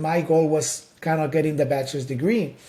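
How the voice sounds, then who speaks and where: A man with a Spanish accent talks at a moderate pace in a dark, mellow tone. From Ecuador. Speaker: entrepreneur. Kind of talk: interview.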